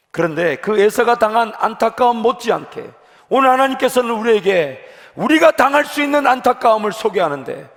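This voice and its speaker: A man pastor preaching an earnest sermon in a church sanctuary, slowing down to stress key words. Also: very high voice, fairly bright tone. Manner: earnest preaching, rising with emphasis. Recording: long hall reverb.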